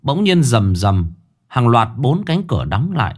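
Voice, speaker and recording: A man's voice: mid-range voice, sing-song, measured pace. A man narrating a ghost story in a dramatic storytelling manner.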